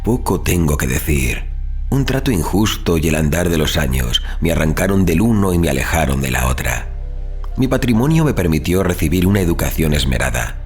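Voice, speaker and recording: An actor playing a grave, rational, educated traveler telling his story in solemn, measured, formal literary narration for an audio drama. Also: a bass voice, a little mellow. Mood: grave, confessional. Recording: music playing behind the voice. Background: background music.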